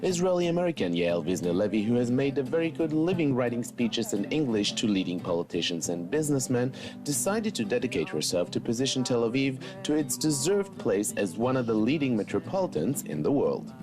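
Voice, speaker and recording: A man reads a scripted news voice-over, his pitch rising and falling a lot. Guitar music plays clearly underneath him. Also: fairly quick. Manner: lively scripted delivery. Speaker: narrator.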